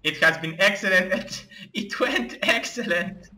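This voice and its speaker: Eastern european accent, young man casting games live, very bright forceful voice, fairly high, excitable, stumbling restarts. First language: not English. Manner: excitable, halting non-native English with frequent restarts. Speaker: game commentator. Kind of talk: live esports play-by-play commentary.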